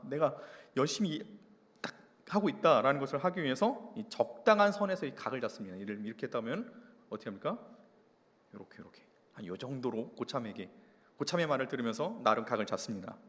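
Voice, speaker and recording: Male pastor, thirties, a bit high-pitched and very lively, storytelling sermon, long church reverb. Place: church hall.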